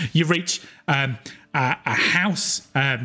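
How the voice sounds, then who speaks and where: A man speaks with a British accent. His pitch varies in an ordinary way. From Britain. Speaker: streamer and tabletop game master. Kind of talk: tabletop RPG game mastering and narration on a live stream. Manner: frequent fillers and hesitations.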